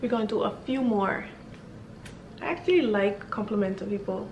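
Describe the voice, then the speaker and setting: A young woman from the Bahamas, chatting with strangers in a casual, bubbly, flattering way. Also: medium pitch, normal speed. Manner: bubbly, flattering, laughs often. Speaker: vlogger. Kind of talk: casual video chat with strangers. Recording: echoey room, faint noise.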